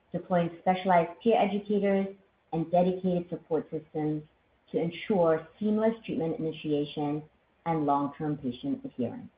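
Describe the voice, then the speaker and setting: A woman executive giving a formal, measured scripted presentation on a corporate earnings call. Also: deep voice. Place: conference call line. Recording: thin phone-like line, roomy echo, faint noise.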